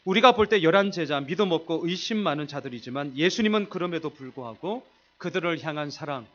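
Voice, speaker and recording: A man preaches a sermon with a fairly high, lively voice that leaps up and drops low. He throws out rhetorical questions and shifts between forceful emphasis and quiet asides. The church video sound is dull and lo-fi. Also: brisk. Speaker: senior pastor. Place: church sanctuary.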